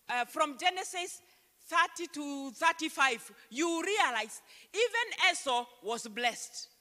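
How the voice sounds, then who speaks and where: Kenyan lady pastor preaching, high bright voice, echo from the church hall. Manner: emphatic preaching, slowing to read scripture. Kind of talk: sermon. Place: church stage, large hall. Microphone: handheld mic. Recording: long church hall reverb.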